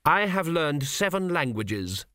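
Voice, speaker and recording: A man's voice: fairly high pitch, sing-song, slow pace, pushed and bright, dry recording, clean studio sound, pitched above the performer's own voice, heavily acted. A man doing an eager, flustered young king. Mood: earnest. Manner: eager, a little raised and nervous.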